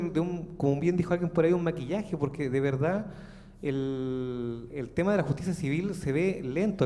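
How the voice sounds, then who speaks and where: A Chilean man putting a spontaneous question from the floor of a seminar, halting and hesitant as he goes. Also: fairly high pitch, dark tone. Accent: Chilean Spanish. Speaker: audience member putting a question. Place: large auditorium. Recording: reverberant hall.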